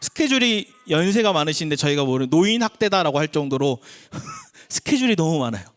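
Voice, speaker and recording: A man's voice: big pitch swings, fairly quick. A man in his thirties preaching a sermon as a pastor, talking with the congregation in a conversational way and acting out the people he quotes. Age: 30s. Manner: conversational preaching, acts out quoted voices with shifts in pitch. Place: church sanctuary.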